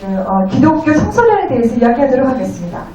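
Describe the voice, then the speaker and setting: A woman interpreting a lecture phrase by phrase in a polite, formal, somewhat halting way. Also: sits high, big pitch swings, dull audio, crowd noise. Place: echoey indoor venue. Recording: very echoey, distant room.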